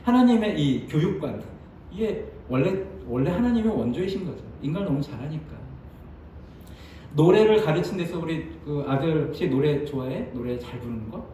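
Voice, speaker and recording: High-voiced pastor preaching in echoey hall. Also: male voice, normal speed, distant mic, slight background noise. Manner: lively, acts out quoted lines with sudden loud jumps and laughs. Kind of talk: sermon. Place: church sanctuary.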